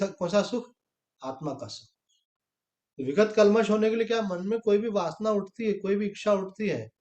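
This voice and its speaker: A man's voice: high-pitched, darkish tone, roomy sound, muffled recording. A man, a swami, giving a spiritual discourse, who asks rhetorical questions and answers them himself, using homely examples. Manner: conversational, with everyday examples and short quoted exchanges. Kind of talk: sermon on the Gita.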